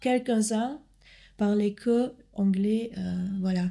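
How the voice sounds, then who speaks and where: A woman speaks in a dark, mellow tone with a fairly high pitch. Her voice is somewhat breathy, with fairly even intonation. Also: very clean recording, silent background. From Luxembourg. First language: Luxembourgish (speaking French). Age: 30s. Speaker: primary school teacher. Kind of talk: testimony.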